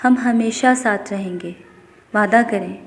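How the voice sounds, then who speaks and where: A woman's voice: mid-range voice, vocal fry, big-room sound, close to an everyday voice. Woman playing a childlike, fearful young wife. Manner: trembling, innocent.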